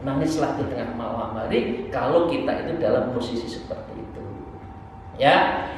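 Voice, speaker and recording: A man's voice: mid-range voice, normal speed. A man in his sixties with a Javanese accent gives an informal religious lesson, exhorting conversationally with rhetorical asides. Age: 60s. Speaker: Islamic preacher and Sufi teacher. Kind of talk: sermon, informal religious lesson explaining a book. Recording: very echoey hall, distant mic, faint noise.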